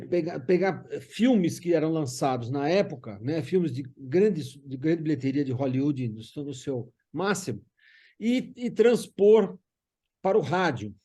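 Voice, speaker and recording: A man with a dark, relaxed tone, pitched slightly high. He talks informally about the past, pausing and restarting, often adding small tags to check agreement. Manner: halting, frequent checking tags. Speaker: guest recalling family history. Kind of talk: casual reminiscing conversation.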